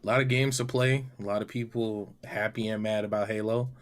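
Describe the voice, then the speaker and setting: A man chatting casually and haltingly as a panelist. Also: lowish voice, fairly even intonation. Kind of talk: casual chat.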